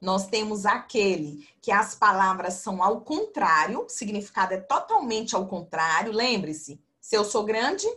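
A woman teaching young children in an online class over a video call, speaking slowly in a sing-song, patient teacher voice. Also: medium pitch, sing-song, bright, forceful tone. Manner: slow, sing-song teacher talk to children, calls herself auntie. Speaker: primary school teacher. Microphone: computer mic on video call.

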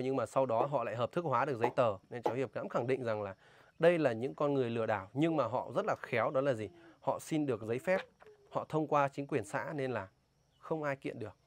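A man's voice: medium pitch, fairly quick, slight background noise. Indignant Vietnamese vlogger man. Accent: northern Vietnamese. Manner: indignant, emphatic, asks pointed questions. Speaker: vlogger warning villagers about a scam. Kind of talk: casual outdoor vlog talk, interviewing a local.

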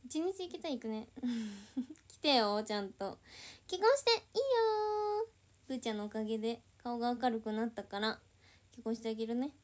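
A woman's voice: on the high side, brisk. A young woman idol chatting casually on a livestream, reading and answering viewer comments.

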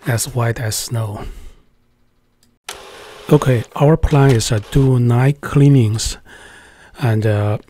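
A man's voice: medium pitch, dark tone. Chatty man. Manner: chatty and hesitant, many filler "uh"s. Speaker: tech channel host. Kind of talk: casual voice-over tutorial.

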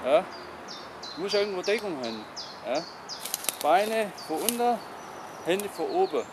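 A man in his forties, a kung fu instructor, talking casually to the camera in a forest and often asking "ja?". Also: high voice. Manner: chatty, rambling, keeps asking "ja?". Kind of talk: casual outdoor vlog talk. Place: outdoors in a forest clearing. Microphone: camera on a tripod at a distance. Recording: outdoor camera audio with clear wind and bird noise. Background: birds and outdoor ambience.

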